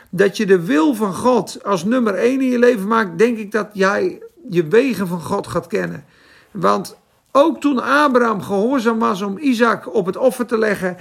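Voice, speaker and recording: High, gravelly-voiced fervent male preacher. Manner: fervent, shifts between loud exclamation and soft musing. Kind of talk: sermon with live questions. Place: church or home stream for Facebook.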